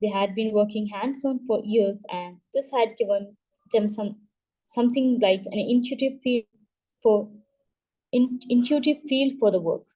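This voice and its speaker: A woman hosting a book club, reading a memoir aloud at a steady pace and now and then stumbling and restarting a word. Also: on the high side, a little slow, low-quality recording.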